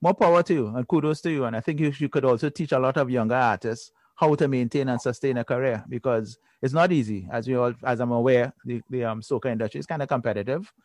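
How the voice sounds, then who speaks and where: A man's voice: mid-range voice, quick pace, few pauses, darkish tone, no room sound. Encouraging male podcast host. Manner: encouraging, frequent affirmations. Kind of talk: casual interview chat.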